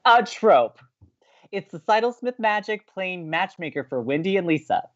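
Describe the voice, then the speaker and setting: An actor playing a romantic, excitable young man who co-hosts college radio in an audio drama, earnest and expressive. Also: high voice, normal speed, muffled recording. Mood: excited, playful. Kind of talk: naturalistic audio drama acting.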